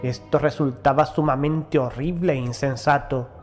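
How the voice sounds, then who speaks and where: A man reading a first-person horror story as an audiobook narrator, in a measured, formal storytelling delivery. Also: mid-range voice, steady tone, darkish tone. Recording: music behind the voice. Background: background music.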